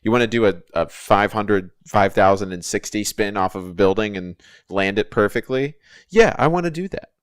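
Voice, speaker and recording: A man's voice: on the low side, moderate pace, clean tone, no echo, studio quality. A man co-hosting a podcast about games in casual chat, jokey and playful. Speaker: podcast co-host.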